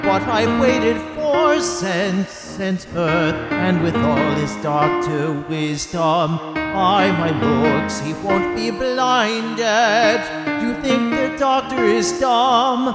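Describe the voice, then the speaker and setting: A woman's voice: medium pitch, extremely slow. A woman playing a hopeful, yearning dreamer, singing in a musical theatre style. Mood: dreamy, hopeful. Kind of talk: musical theatre song in audio drama. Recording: echoey long reverb under loud music.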